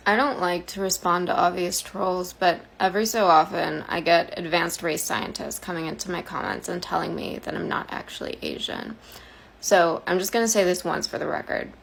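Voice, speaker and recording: A woman creator making a firm, measured statement straight to camera. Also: lowish voice, animated, vocal fry, low-quality recording. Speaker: social media creator.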